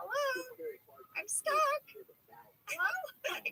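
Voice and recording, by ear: An extremely high, squeaky put-on character voice.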